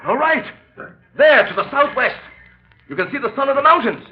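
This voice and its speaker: An actor playing an earnest doctor and former convict in a 1930s radio drama. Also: male voice, extremely high pitch, lively intonation, normal speed. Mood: elated. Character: middle-aged male doctor, ex-convict, earnest. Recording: dull old radio recording.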